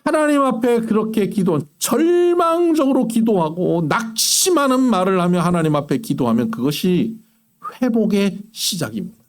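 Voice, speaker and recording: Male pastor preaching, high voice, really animated, acts out people's complaints. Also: moderate pace. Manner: impassioned, acting out complaints in prayer with big pitch swings. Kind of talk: sermon.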